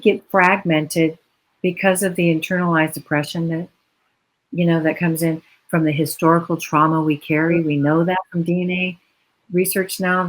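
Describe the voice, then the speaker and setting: A woman with a slightly low voice joins a virtual panel over a video call. She speaks earnestly and reflectively, in long flowing explanations. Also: rough recording. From United States.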